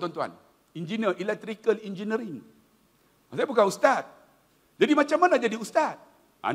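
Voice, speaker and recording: A middle-aged man with a Malaysian Malay accent giving a humorous religious lecture, telling stories and often addressing his audience directly. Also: high-pitched. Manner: animated storytelling, addresses audience as tuan-tuan. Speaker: preacher.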